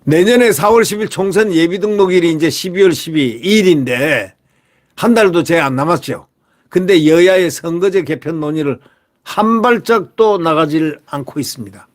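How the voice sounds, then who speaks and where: A man delivers solo political commentary to his viewers in a somewhat high voice. He talks emphatically, keeps asking rhetorical questions and circles back to the same catchphrases. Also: animated, moderate pace.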